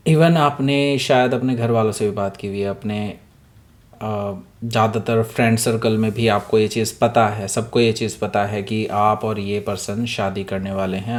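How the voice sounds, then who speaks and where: Hoarse man reading tarot. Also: lowish voice. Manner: mixes Hindi with English phrases, many fillers. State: sore throat, clearing it. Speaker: tarot reader. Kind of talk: casual tarot reading to camera.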